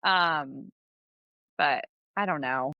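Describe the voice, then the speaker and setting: A woman from California's San Fernando Valley with a Valley girl accent and vocal fry, chatting casually and bluntly. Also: deep voice, very slow, dry recording, lo-fi sound. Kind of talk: casual chat.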